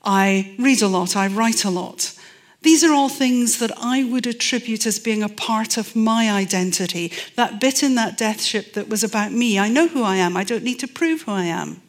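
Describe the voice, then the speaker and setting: A woman's voice: a little high, moderate pace. A middle-aged Scottish woman, a forensic anthropologist, giving a public talk and telling stories with dry humor and emphasis. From Scotland.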